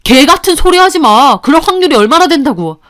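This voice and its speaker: A woman's voice: high voice, sing-song, fairly quick, fairly bright tone. A woman voicing an angry, suspicious young husband in a radio-style story, talking in an accusing, sneering way. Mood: hostile. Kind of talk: Korean radio-story dialogue.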